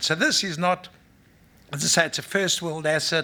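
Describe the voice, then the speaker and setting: With a South African accent, a man speaks at a moderate pace in a fairly high, bright, sharp voice with fairly even intonation. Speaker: mining company executive. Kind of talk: investor presentation. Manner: halting, many fillers and restarts.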